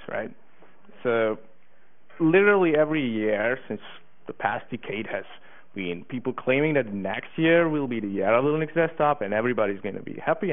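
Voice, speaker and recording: An eighteen-year-old man from Hungary giving a conference talk, eager, with many fillers and restarts. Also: mid-range voice. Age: teens. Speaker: conference speaker. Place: conference room. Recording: tinny phone-like conference recording.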